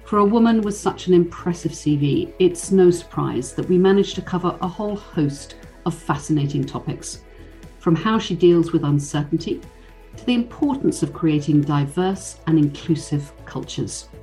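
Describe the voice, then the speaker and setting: A woman hosting a podcast, reading a warm, encouraging introduction, then chatting with her guest. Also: lowish voice, lively intonation, moderate pace, soft background music. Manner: warm, encouraging, many fillers in chat. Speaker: podcast host. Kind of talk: scripted intro, then casual interview.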